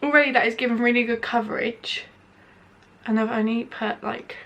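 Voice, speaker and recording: A young beauty vlogger, voice slightly high, gravelly and a bit bright, keeps a steady tone at normal speed during a casual makeup review at home by an open window. Hay fever has her nasal, stuffed up and sore-throated. She rambles along, filling gaps with "like."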